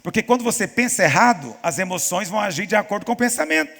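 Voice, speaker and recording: A man preaching as a pastor in a church teaching session, telling stories and acting out quoted voices with lively emphasis. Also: high voice, quick pace, long reverb tail. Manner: animated storytelling, acts out quoted voices.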